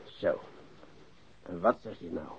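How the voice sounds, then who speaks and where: Fed up bossy cop in a radio play, slow drawn out delivery, kinda husky, sardonic. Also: male voice, sits low, full character voice. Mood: weary, exasperated. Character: exasperated, bullying male police investigator, impatient and sardonic. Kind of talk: radio drama acting. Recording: dull, muffled radio drama recording.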